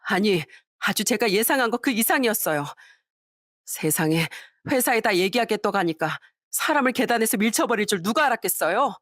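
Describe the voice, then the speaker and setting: A woman's voice: mid-range voice, animated, brisk, a bit bright, no echo, studio quality. A woman voicing a harassed young wife who speaks in an emphatic, accusing way. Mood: indignant.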